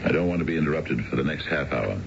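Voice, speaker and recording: Stately older crooked boss, very deep, formal, businesslike, radio drama, muffled noisy broadcast. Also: male voice, animated, fast, gravelly, exaggerated voice. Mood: discreet, calculating. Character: dignified older male executive, secretly a crooked schemer. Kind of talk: 1970s radio drama acting.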